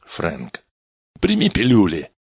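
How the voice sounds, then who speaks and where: A cold, composed doctor from a storybook, giving clipped, measured orders with quiet menace, as a male narrator voices him. His voice is husky and sits close and dry. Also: fairly low pitch, big pitch swings, no echo, exaggerated voice. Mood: menacing.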